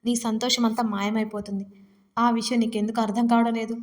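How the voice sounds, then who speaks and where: A woman's voice: a little high, little pitch movement, fairly quick, big-room sound, close to an everyday voice. A woman voicing an angry, stubborn young husband who scolds his wife impatiently in an audio story.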